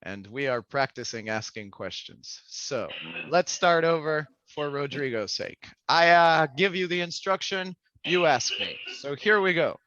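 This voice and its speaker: A man from Mexico hosting a spoken English class as a language trainer, giving deliberate, instructive prompts. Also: a little high, animated, bright, forceful tone, dry recording, lo-fi sound. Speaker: language trainer, podcast host.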